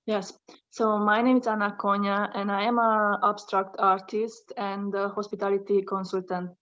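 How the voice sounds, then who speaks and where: A woman's voice: medium pitch, level tone, normal speed, highs cut off. Hesitant Hungarian woman on a video call. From Romania. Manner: hesitant, many fillers, soft-spoken. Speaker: interview guest, abstract artist. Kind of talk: online video-call interview.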